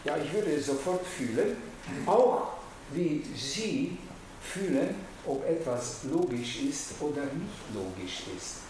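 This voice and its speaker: A man with a Hungarian accent gives a reflective lecture, halting and searching for words, with frequent restarts. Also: a little high, sing-song, background noise. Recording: very echoey room.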